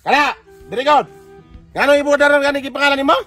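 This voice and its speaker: A man's voice: very high-pitched, fairly even intonation, very fast, pushed and bright, soft background music. A Filipino man with a Visayan accent playing a strict, mocking cadet training instructor in a comedy skit, bossy and teasing.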